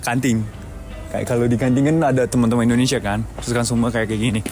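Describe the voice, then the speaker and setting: Dude, slangy foreigner indonesian, playful, keeps correcting himself, music over street sound. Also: male voice, mid-range voice, steady tone, very fast, darkish tone. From Japan. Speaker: interviewee. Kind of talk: casual slangy chat in Indonesian as a foreign speaker.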